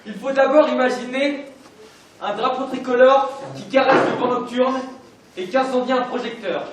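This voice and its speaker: A young man narrating a scene on a school stage in a measured, descriptive way. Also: very high voice. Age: teenage. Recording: echoey hall from far off, faint noise.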